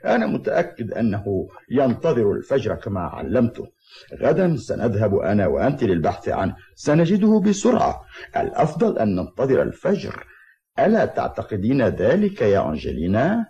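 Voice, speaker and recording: A man voicing a calm, wise old grandfather in an Arabic cartoon dub, reassuring and quietly authoritative. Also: medium pitch, brisk. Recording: dull old TV dub soundtrack.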